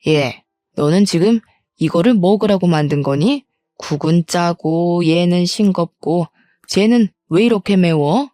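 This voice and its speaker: A woman voicing a harsh, nagging middle-aged mother-in-law who belittles with rapid-fire questions. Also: fairly low pitch, dark tone, no room sound, studio quality, lightly acted. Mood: scolding.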